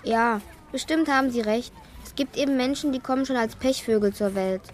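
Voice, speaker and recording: A woman's voice: a little high, a little fast, lightly acted. A woman playing a withdrawn, self-loathing schoolgirl in a children's radio play, bitter and self-deprecating. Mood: bitter, dejected.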